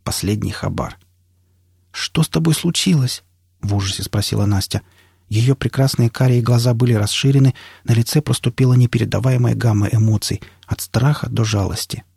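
A man narrating an audiobook in the first person in a steady storytelling manner. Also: medium pitch, brisk, gravelly, slightly rough, no echo, clean studio sound.

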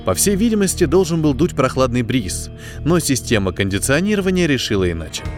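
A man narrating a science fiction story in an audiobook, with expressive, scripted delivery. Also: mid-range voice, fairly quick. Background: background music.

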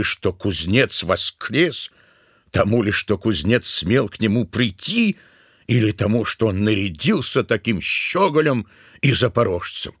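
A man narrating a literary tale for an audio play, expressively, with drawn-out emphatic words. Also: mid-range voice, no echo, clean studio sound.

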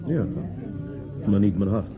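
A man's voice: fairly low pitch, lively intonation, unhurried. An actor playing a cool, evasive man in a Dutch radio play, detached and placating. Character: evasive, cool man defending his impartial position. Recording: muffled old radio play, loud crowd murmur.

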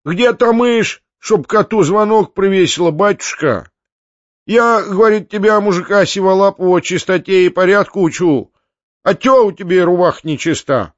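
Talkative peasant man, folksy sayings, performed by a male reader, high, muffled recording. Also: moderate pace, dry recording, close to an everyday voice. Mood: complaining. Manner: folksy, talkative, proverb-spouting. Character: chattering male peasant with wispy beard. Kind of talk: audiobook character reading.

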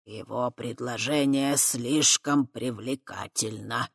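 A reader voicing an old horned male forest creature, a shrewd grandfather who speaks slowly and weightily. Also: medium pitch, creaky, slightly rough, no echo, studio quality, voice pushed down, heavily acted. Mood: firm. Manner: slow, weighty, calculating.

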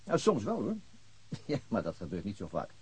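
An actor playing a weary, reticent middle-aged police detective in a naturalistic radio drama, speaking haltingly with murmured filler words. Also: male voice, on the low side, wildly swooping pitch, darkish tone, husky, heavily acted. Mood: wry storytelling.

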